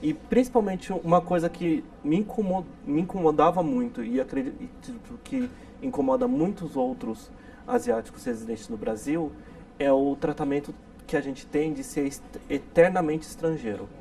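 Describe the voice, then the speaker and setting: A man from the interior of São Paulo, a guest speaking in a measured way and searching for his words. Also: on the high side, expressive, creaky, darkish tone. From Brazil, interior of São Paulo. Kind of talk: casual interview talk. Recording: distant mic with faint noise.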